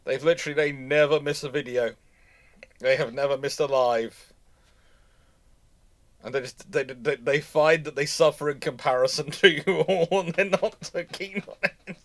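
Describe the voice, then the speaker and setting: Higher-voiced man, rambling livestream host. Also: a bit bright. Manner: halting, rambling, repeats words. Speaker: host of a live history question show; history lecturer. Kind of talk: casual livestream chat.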